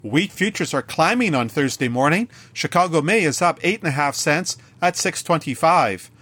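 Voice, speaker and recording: A Canadian man reading a scripted radio farm market report in a measured newsreader delivery. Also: fairly high pitch, animated, fairly bright tone, husky.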